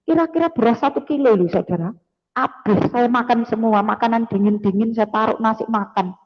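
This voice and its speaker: Lady giving her testimony at church, really animated, long hall echo, kinda muffled. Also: a little high, fairly quick. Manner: animated storytelling with sound effects, calls the audience "brothers and sisters". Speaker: testimony giver. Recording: echoey hall, dull lo-fi sound.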